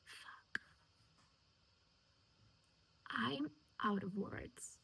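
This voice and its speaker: A woman's voice: medium pitch, drawn-out words, sharp tone. A young woman whispering as she reads a novel aloud, breaking off for swearing, gushing asides. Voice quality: breathy whisper. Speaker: book reader and reviewer. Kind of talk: whispered book reading with reactions.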